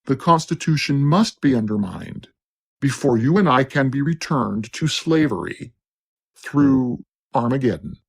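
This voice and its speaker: A man reads a script aloud in a gravelly, fry-laced voice. His delivery is steady and declaiming. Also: mid-range voice, a little slow. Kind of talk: scripted narration.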